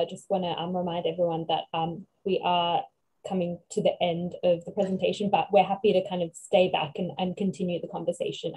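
A woman's voice: fairly low pitch, mellow, slightly rough, poor audio. A young woman moderating a webinar from a home office, easygoing with many fillers. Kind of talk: hosting a webinar.

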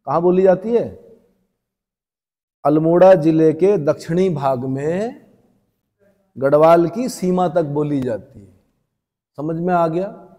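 A man's voice: fairly high pitch, darkish tone. Man drilling exam facts, echoing room. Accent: Uttarakhand Hindi. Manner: asks the class a question, then answers it himself; repeats key terms slowly for memorizing. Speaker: teacher. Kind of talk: exam revision lecture. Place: classroom or coaching room. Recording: long hall reverb.

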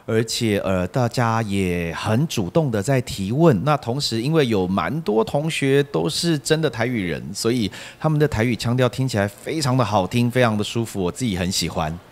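A man's voice: mid-range voice, lively intonation, moderate pace, few pauses. A man in his forties with a Taiwanese Mandarin accent, an instructor talking casually in an interview. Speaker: actor and acting instructor being interviewed. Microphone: handheld reporter microphone.

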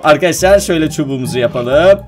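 A young man coaching his mother through a video game, laughing often and talking excitedly to his viewers. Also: fairly high pitch, fast talker, faint music behind. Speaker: gaming YouTuber. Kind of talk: casual gaming vlog, teaching his mother.

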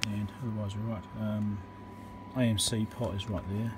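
At a moderate pace and with little pitch movement, a low-voiced man narrates a casual, practical electronics repair at his indoor workbench. The host's matter-of-fact commentary is recorded on a handheld camera or phone, with heavy hiss and background noise.

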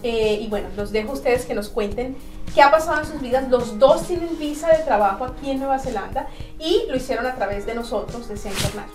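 A high, bright woman's voice leads the chat with lively emphasis. She sounds like an immigration agent in her thirties, speaking in a small, roomy office with music playing behind her. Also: quick pace. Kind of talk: friendly interview. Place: small office in front of posters.

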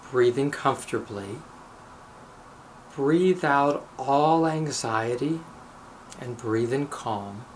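A man of medium pitch guides a meditation and recites blessings as a rabbi would. His delivery is very slow and deliberate, broken into short phrases with pauses. A light noise sits behind the voice. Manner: measured, deliberate, pausing between short phrases.

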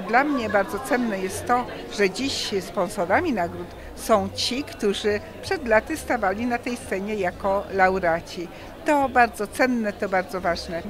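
A middle-aged woman official giving an earnest, measured statement into a TV mic. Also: fairly high pitch. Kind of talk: formal statement. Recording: crowd noise behind.

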